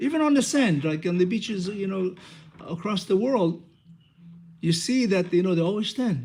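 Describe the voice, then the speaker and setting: A man's high-pitched voice with a slight Israeli accent, moderate pace, lively intonation, long and frequent pauses, and audible room echo. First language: Hebrew. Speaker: rabbi teaching a Torah class. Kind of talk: religious lecture. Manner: conversational, interactive with class.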